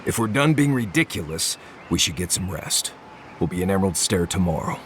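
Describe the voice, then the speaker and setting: A man playing a gruff, sardonic adventuring companion in a video game, blunt with a dry wit. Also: sits low, expressive, fairly quick, slight background noise. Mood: gruffly teasing. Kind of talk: video game character acting.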